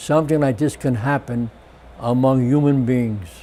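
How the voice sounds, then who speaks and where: A man speaks with a New York accent at a moderate pace. His medium pitch shows ordinary variation. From New York City, Brooklyn (Flatbush). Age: 80s+. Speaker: war veteran. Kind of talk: oral history testimony. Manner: halting.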